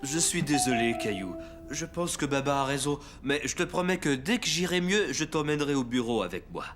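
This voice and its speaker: A man voicing a kind father with a cold in a cartoon dub, his nose congested, gentle and playful. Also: on the high side, animated, fairly quick, faint music behind. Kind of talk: French cartoon dubbing.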